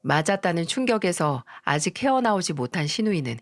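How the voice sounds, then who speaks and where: A woman's voice: fairly low pitch, sing-song, fairly quick, no echo, clean studio sound, soft background music. A woman narrating a first-person family story in a conversational tone. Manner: conversational, recounting.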